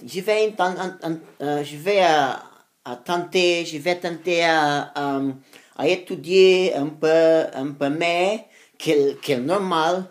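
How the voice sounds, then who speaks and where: A woman who is a non-native beginner in the language, talking unscripted to practice for a channel, halting and repeating phrases as she searches for words. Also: fairly low pitch. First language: not French. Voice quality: non-native, beginner French with frequent errors. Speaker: language learner making practice videos for own channel.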